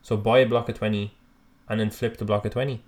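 A man's voice: on the low side, level tone, fast talker, a little mellow. A man co-hosting a podcast, chatting casually with rambling, self-mocking banter and the odd swear. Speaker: podcast co-host. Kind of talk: casual chat.

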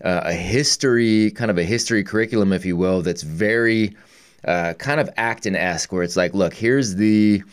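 Low-ish voiced guy hosting, laid-back slangy chat, lots of dude and man. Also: moderate pace, clear, resonant tone. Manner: informal, slangy, says "dude" and "man" often. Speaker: host interviewing a guest. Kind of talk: casual chat.

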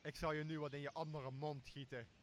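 A man's voice: a little high, flat delivery, brisk, a little hiss or hum, close to an everyday voice. A young man playing a boozy, blustering, greedy castaway in a Shakespeare radio play, with a coarse and bossy manner. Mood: startled, blustering. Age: young adult. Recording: clear outdoor nature sound behind voice.

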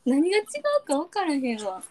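A woman with a Kansai accent co-hosting a casual chat. She talks with a high voice that leaps all over its range. She laughs easily and teases playfully. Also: sing-song, fairly quick, a little mellow. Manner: laughs often, teasing, playful. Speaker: podcast co-host.

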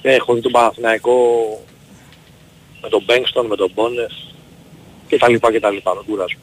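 A man in his forties calling a radio show, giving a measured, reasoned opinion with hesitant fillers. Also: mid-range voice, fairly even intonation, slightly rough, low-quality recording. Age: 40s. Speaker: caller. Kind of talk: call-in opinion.

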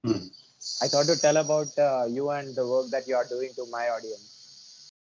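A man hosting an interview, asking slow, formal, deliberate questions from outdoors. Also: medium pitch, steady tone, muffled recording, noisy background. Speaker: interviewer, channel host. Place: outdoors, warm weather.

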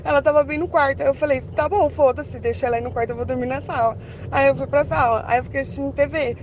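A woman with a Brazilian accent and a fairly high voice tells a story dramatically and acts out every line of dialogue. Faint road noise from a vehicle sits under her voice. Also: steady tone, fast. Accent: Brazilian Portuguese. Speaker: podcast co-host. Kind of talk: casual chat, voice-message storytelling.

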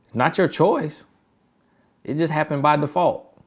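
A man's voice: fairly high pitch, measured pace. Earnest preachy Southern man. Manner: preachy, repetitive, emphatic. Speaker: relationship advice speaker. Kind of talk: motivational talk.

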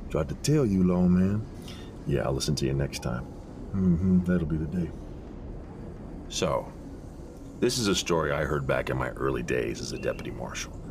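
An actor playing a gruff, pious deputy marshal in an audio drama, talking in a dry, folksy, deliberate storyteller's way. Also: male voice, rumbling low, lively intonation, background noise. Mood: exasperated.

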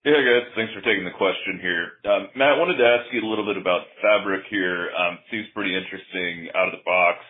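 A man's voice: sits low, brisk, hardly any pauses. A male financial analyst putting questions to executives on an earnings call. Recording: narrow phone-band call.

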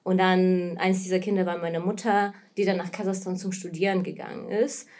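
A woman's voice: on the low side, level tone, a little fast, darkish tone. A woman in her thirties from Kazakhstan, a native Russian speaker, talks in German with a Russian accent in a casual interview as a guest. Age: 30s. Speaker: podcast guest, anti-racism activist and trainer.

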